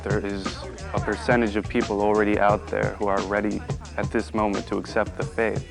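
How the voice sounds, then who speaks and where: A man's voice: fairly low pitch, little pitch movement, a little fast, gravelly, music in the background. A young man being interviewed, giving a casual personal account in a conversational way.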